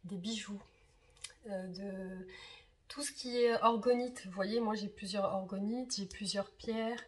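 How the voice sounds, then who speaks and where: A woman in her thirties, slightly hoarse from a cold, chatting to her viewers as a card reader, hesitant with many fillers and repeated words. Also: medium pitch, steady tone, unhurried. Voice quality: husky. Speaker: tarot reader and channel host. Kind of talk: casual direct-to-camera chat.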